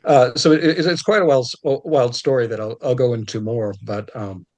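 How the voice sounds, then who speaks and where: A man talks as a historian guest in an unscripted conversation. His explanations are detailed and scholarly. He often restarts phrases, and his pitch jumps up when he stresses a point. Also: a little fast, a little mellow.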